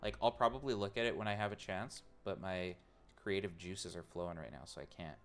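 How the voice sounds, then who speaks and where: With soft music playing behind him, a low-voiced man talks a little fast during a live stream. He tinkers on a robot while chatting casually to his viewers, rambling and self-mocking.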